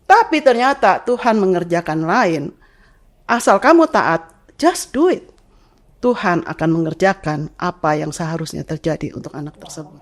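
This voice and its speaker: Middle-aged mother guest, lively storyteller, acts out the quoted voices. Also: on the low side, normal speed. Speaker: parent guest. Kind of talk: animated storytelling.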